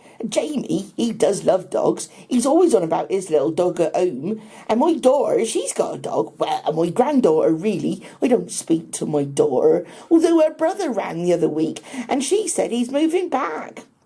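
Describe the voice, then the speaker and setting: A woman's put-on character voice, fairly high in pitch, with very wide pitch swings at a moderate pace. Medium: audio drama. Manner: rambling, chatty.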